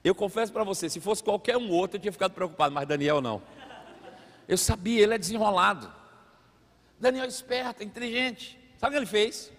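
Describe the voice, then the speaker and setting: Male pastor, high voice, lively storyteller, big reverberant church hall. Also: quick pace. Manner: animated storytelling, acts out voices. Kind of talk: sermon.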